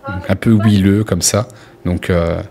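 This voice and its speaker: A man narrating a tabletop roleplaying game as game master, improvising descriptions haltingly and addressing players directly. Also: sits low, fairly even intonation, dark tone. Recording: music playing under the voice.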